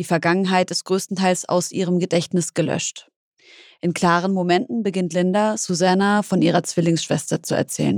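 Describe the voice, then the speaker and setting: A woman with a plain, everyday voice speaks at a medium pitch, the sound dry and close with no echo on a very clean recording with a silent background. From Leipzig, Germany (Syrian roots). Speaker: journalist and co-host. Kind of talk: storytelling; casual chat.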